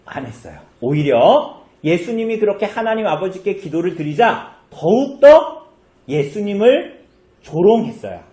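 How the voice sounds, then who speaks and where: Animated high-voiced preacher in an echoey church. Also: male voice. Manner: animated storytelling, questions to the congregation. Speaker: pastor. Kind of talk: sermon.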